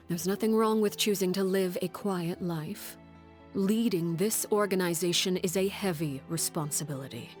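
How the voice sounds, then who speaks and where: A woman voicing a stern, composed leader of a family in a video game, speaking calmly and with command in a soft, breathy way. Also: fairly low pitch, lightly acted. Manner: calm, measured and commanding.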